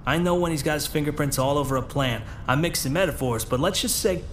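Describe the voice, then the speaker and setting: A man playing a gruff, wry police commissioner in a pulp radio drama, commanding and informal. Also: on the high side, fast, slight background noise, lightly acted. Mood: wry, frank.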